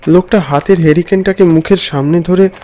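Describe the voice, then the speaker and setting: A man's voice: high-pitched, brisk, warm tone, slight background noise, close to an everyday voice. A man playing a nervous lawyer who narrates his own ghost encounter in a dramatic, suspenseful first-person style. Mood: uneasy. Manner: tense, suspenseful, stammering when frightened. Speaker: narrator and main character.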